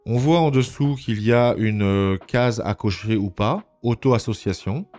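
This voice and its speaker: Male tutorial presenter, lowish register, methodical and informal with hesitant pauses, music underneath. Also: darkish tone. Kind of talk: informal step-by-step screencast narration. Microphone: voice-over recorded on a microphone at a computer.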